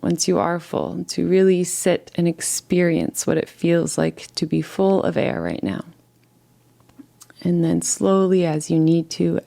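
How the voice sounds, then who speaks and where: A woman leading a guided relaxation meditation in a gentle, soothing, unhurried way, leaving long pauses between phrases. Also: fairly low pitch, gravelly.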